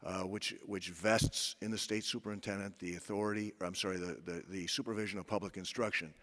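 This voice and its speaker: A man's voice: low-pitched, fairly even intonation, fairly quick, a bit bright. A man arguing as amicus counsel before a court, speaking into a podium mic with many fillers and restarts. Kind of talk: courtroom oral argument. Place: large courtroom. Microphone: podium microphone. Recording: long courtroom reverb.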